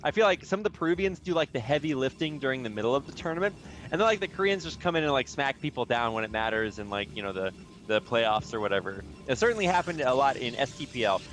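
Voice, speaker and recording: A man's voice: mid-range voice, sing-song, fast, a bit bright. Upbeat male esports caster. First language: English, with Spanish as second language. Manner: chatty, upbeat, casual with many fillers. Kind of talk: live game commentary.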